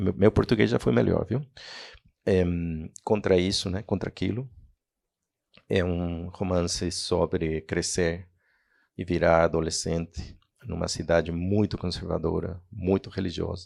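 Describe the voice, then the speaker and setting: A man with a Spanish accent speaks in a very deep, low pitch with ordinary pitch variation. He leaves long, frequent pauses. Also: fairly slow pace. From Mexico. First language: Spanish (speaking Portuguese). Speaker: novelist. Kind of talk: live interview at a book event. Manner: halting, with repetitions.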